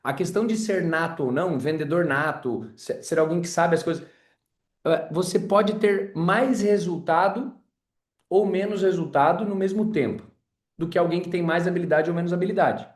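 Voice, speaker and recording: Male sales trainer, high-pitched and chatty, informal class in a reverberant room. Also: moderate pace. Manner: chatty, tells personal stories, addresses audience as "gente".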